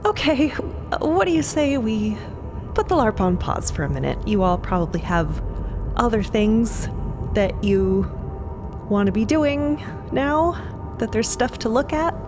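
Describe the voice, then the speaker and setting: A woman's voice: a little high, expressive, unhurried, music in the background, pitched above the performer's own voice. A woman voicing an eager, polite woman crew member in an audio fiction story, coaxing and a little flustered. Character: Cleo, bright, eager woman crew member organizing larp games.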